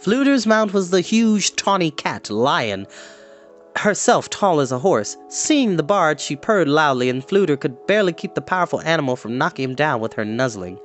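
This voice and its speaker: A man reading a storybook aloud as an expressive narrator. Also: fairly high pitch, normal speed, soft background music. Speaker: storyteller, host.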